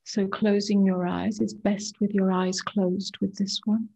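A woman meditation teacher guiding a practice in a soft, hushed voice that often nears a whisper, with short unhurried phrases. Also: medium pitch, little pitch movement, creaky, breathy edge, low-quality recording. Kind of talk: guided meditation, slow and gentle with long pauses.

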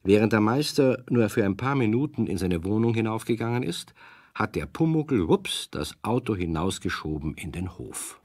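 A man narrating a children's audio story, conversational and animated, as if talking to young listeners. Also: fairly low pitch, moderate pace, dry recording. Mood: storytelling. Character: chatty male storyteller addressing young listeners.

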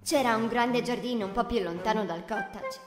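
High-voiced woman narrating a fairy tale. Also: moderate pace. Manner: expressive storytelling. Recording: echoey, reverberant room with music.

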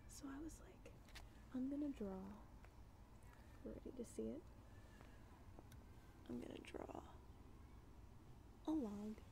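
A young woman doing a whispered, soft-spoken ASMR roleplay as an art student, hesitant and halting with subtle condescension, recorded at home. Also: on the high side, vocal fry, background noise. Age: young adult. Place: small dim room at home.

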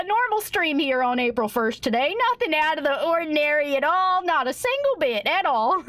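A woman's voice: high-pitched, fairly bright tone, no echo. A woman livestreaming a game in a put-on American cowboy accent, chatting playfully in a folksy, exaggerated drawl. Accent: put-on American cowboy Western. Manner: folksy, exaggerated cowgirl drawl with mild oaths like gosh dang. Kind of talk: playful in-character game stream chat, reading game text aloud.

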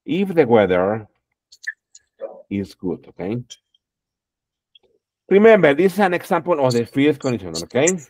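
A man's voice: mid-range voice, big pitch swings, unhurried, long pauses, a little mellow, no room sound. A middle-aged man teaching English online, correcting students patiently and repeating "okay" through a headset. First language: Spanish. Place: home room, indoors.

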